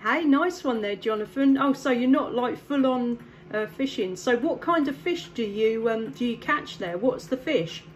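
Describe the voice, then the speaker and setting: A woman's voice: on the high side, animated, moderate pace, few pauses, slight background noise, poor audio. Upbeat English woman on CB radio. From south east England. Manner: friendly, upbeat, ends turns with "back to you". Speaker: CB radio operator. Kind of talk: casual radio chat.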